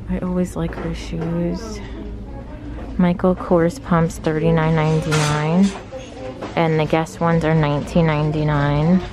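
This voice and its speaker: A woman narrating a casual shopping vlog, calmly listing items and prices as she walks through a large store while filming on a phone. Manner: low-key, steady price-listing commentary. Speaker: shopping vlogger. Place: large retail store, indoors. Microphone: handheld phone camera. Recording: store noise in background. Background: store ambience noise.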